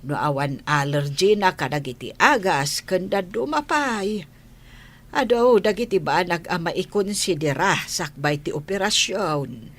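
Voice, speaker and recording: A woman playing a soft, husky older mother. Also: fairly low pitch, expressive, measured pace. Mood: calm. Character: older mother, gentle and grateful. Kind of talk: audio drama acting.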